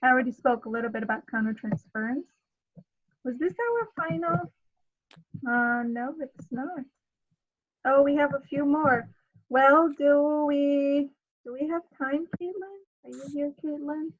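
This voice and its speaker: A woman's voice: sits high, a little slow, phone-quality sound. A woman presenting an online seminar as a counselor, addressing listeners directly in an instructive way, over thin call audio.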